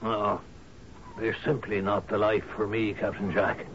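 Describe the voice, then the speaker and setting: A man's voice: on the low side, level tone, measured pace. An actor in a radio drama playing a solemn, grieving man, hesitant, reserved and formally polite. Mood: grave, resigned. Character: grieving male island guest, solemn, grave, unhappy. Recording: dull, noisy vintage radio drama broadcast.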